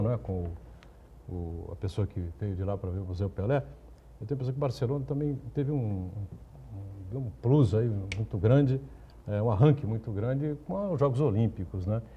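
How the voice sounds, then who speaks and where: A man's voice: lowish voice, expressive, moderate pace, dark tone, slight background noise. A man hosting a TV talk show, speaking conversationally and often tagging remarks with questions. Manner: conversational, leans on tag questions.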